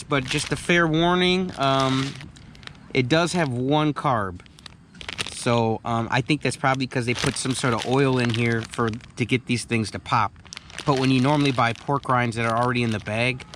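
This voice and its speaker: A man's voice: mid-range voice, steady tone, moderate pace, fairly bright tone. A man in his thirties hosting a casual vlog-style chat. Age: 30s. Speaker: host. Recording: faint background noise.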